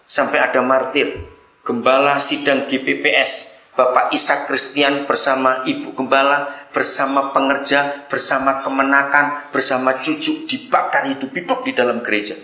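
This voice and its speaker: A man preaching a sermon as pastor, telling a story with passion and swinging between loud outbursts and hushed moments. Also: medium pitch, little pitch movement, normal speed, echoey room, rough recording.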